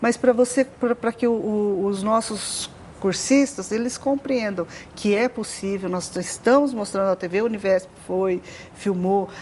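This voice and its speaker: A woman speaks at a fairly slow pace with ordinary pitch variation over noticeable background noise. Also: medium pitch for a woman. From Brazil, Japanese immigrant family. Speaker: professor. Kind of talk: interview. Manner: halting.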